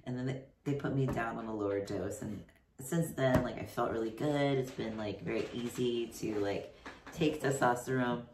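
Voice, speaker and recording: A man in his thirties chatting casually to his camera, rambling with lots of "like" and "you know", his voice deepening mid-transition. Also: normal speed, background noise. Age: 30s. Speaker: vlogger. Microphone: camera mic. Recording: roomy echo, voice somewhat far from mic.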